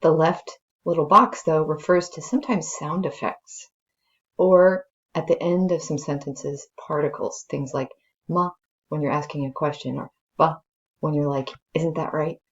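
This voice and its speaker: A woman's voice: low voice, fairly even intonation, a little slow, highs cut off. A woman who is a native English speaker, teaching informally as a language teacher and thinking aloud as she explains. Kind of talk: slow dramatic story read-aloud, then casual lesson commentary.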